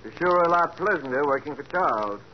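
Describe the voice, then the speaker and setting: Actor as a gossipy lab assistant. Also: male voice, on the high side, expressive, brisk, lightly acted. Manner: gossipy, eager to talk. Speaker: laboratory assistant. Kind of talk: 1940s radio acting. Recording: dull hissy 1940s radio recording.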